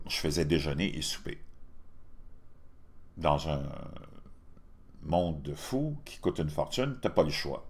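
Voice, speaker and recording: A man in a Quebec accent speaks at a fairly slow pace with big swings in loudness and long, frequent pauses. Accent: Québécois French. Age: 60s. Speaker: YouTuber and waiter. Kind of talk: personal monologue vlog. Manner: conversational, repetitive with fillers.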